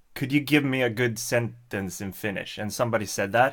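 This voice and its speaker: Speaking at a moderate pace with a Swedish accent, a man uses a medium pitch and ordinary pitch variation on a very clean recording with a silent background. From Sweden, Stockholm. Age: 20s. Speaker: live streamer. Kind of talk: casual chat. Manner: halting.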